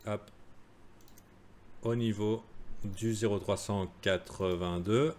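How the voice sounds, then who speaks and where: A man's voice: fairly low pitch, steady tone, slow, darkish tone, slight background noise. A man giving a live crypto chart analysis in a casual, joking way, with many fillers and asides to viewers. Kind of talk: live-streamed market analysis.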